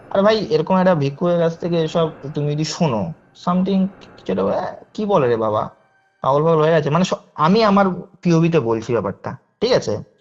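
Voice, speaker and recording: A man's voice: a little high, lo-fi sound. A young man, casually telling a true ghost story on a call and checking in with the listener. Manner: chatty, keeps checking in with the listener.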